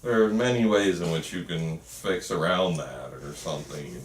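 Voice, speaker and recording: A man's voice: low voice, moderate pace, voice pushed down. Man reading as a placating teacher, echoey recording. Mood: hesitant, disapproving. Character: placating male teacher urging changes to student film. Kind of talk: amateur screenplay table read. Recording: roomy, noisy, distant mic.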